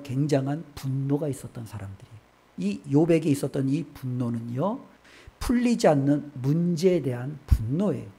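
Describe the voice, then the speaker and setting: High-voiced, husky male pastor preaching. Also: warm tone. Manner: emphatic preaching with frequent rhetorical questions. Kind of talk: sermon. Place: church sanctuary.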